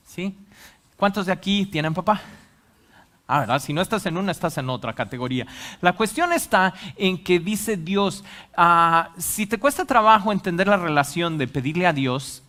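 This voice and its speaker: Animated preacher. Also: mid-range voice. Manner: animated, acts out quotes, asks the audience questions. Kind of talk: live sermon to a congregation. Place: church hall with a congregation.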